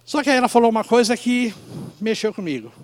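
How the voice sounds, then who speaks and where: A man's voice: very high voice, animated, fast. A man in his fifties preaching as a pastor, telling personal stories informally and speaking directly to his listeners with rhetorical questions. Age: 50s. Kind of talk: informal sermon with personal storytelling.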